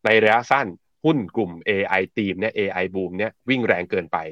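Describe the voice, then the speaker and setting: A low-voiced man talks through stock charts in a relaxed, chatty way. His voice sounds dull and close, with no room around it. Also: fairly quick, no room sound. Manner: relaxed, chatty, laughs while reading viewer comments. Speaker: co-host and market analyst. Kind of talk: casual market commentary.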